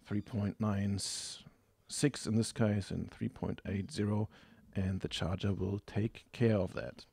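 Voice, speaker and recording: A man with a fairly low voice presents a practical how-to. He speaks slowly and methodically, explaining each step in a matter-of-fact way. The sound is dry, with little room in it. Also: a little mellow, husky, no room sound. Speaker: tutorial presenter. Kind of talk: hands-on instructional narration.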